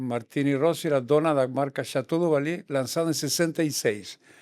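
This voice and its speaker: A man speaks at a moderate pace with a Spanish accent and ordinary pitch variation, on a very clean recording with a silent background. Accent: Spanish accent in Portuguese, noticeable. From Argentina, Mendoza. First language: Spanish (speaking Portuguese). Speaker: winemaker. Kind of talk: interview.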